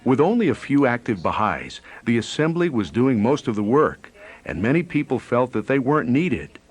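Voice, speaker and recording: A man's voice: mid-range voice, very animated, normal speed, breathy edge. A man reading scripted narration for a newsreel as its narrator. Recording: music bed under narration. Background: faint music.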